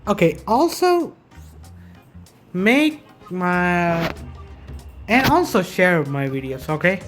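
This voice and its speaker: Casual gameplay commentator: unhurried, halting, self-repeating, lively pitch movement, light music underneath. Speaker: gaming YouTuber.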